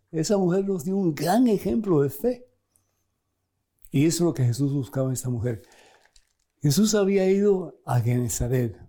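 A middle-aged man, a priest hosting a program, preaching and answering viewer questions in an animated way, chuckling between points. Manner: animated, acts out scripture quotes with sudden pitch jumps.

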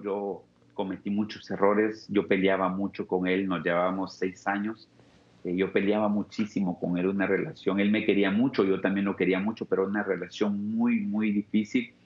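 A young man with a Guatemalan Spanish accent shares his life story in an interview, earnest and reflective, often breaking off and starting his phrases again. His voice sits fairly low. The sound is dull and lo-fi. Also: reverberant. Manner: earnest and reflective, with frequent restarts. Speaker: interview guest. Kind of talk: personal testimony.

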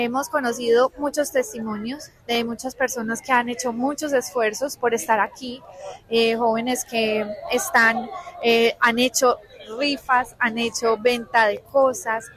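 A woman with a slightly high voice reports live from the field. She speaks conversationally, with frequent fillers and restarts. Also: fairly bright tone, poor audio.

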